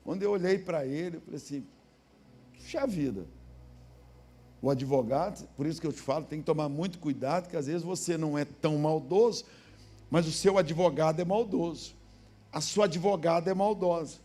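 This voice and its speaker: Middle-aged Brazilian man, high-pitched pastor who preaches through lively acted-out stories. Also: fairly quick. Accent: Brazilian Portuguese, Minas Gerais. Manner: storytelling sermon, acting out dialogue in many voices, bursts of shouting. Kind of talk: sermon. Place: church sanctuary.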